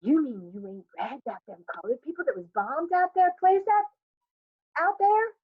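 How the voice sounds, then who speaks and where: A woman voicing a squeaky, effusive neighbor woman who gossips in a folksy dialect and plays up every bit of news with melodrama. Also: animated, moderate pace, dry recording. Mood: gushing. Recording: dry, tinny phone-like sound.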